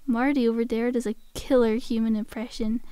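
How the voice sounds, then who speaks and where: A woman's voice: on the high side, flat delivery, fairly quick, warm tone, clean tone, no echo, lightly acted. A woman playing a cheeky, cajoling undead zombie girl in an ASMR roleplay, with a casual, teasing, conversational delivery. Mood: cajoling, upbeat.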